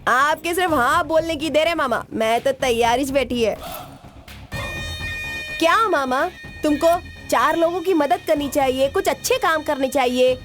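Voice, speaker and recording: An actress dubbing a brash, bossy female gang boss who talks in rough street slang. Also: sits high, normal speed, fairly bright tone, soft background music. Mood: teasing. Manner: swaggering, rough street talk. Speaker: gang leader. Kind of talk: Hindi film dub.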